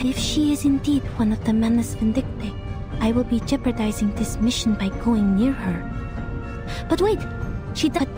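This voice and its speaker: An actress playing a nervous, earnest young assistant investigator who hesitates and frets to herself, in video game style. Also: female voice, on the high side, close to an everyday voice. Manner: hesitant, anxious self-talk with broken-off thoughts. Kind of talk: dramatic video game voice acting. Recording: music behind the voice.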